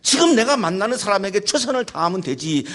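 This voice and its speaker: A male pastor preaching a sermon at a university chapel, animated and playful, acting out quotes and calling on listeners. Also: high voice, quick pace.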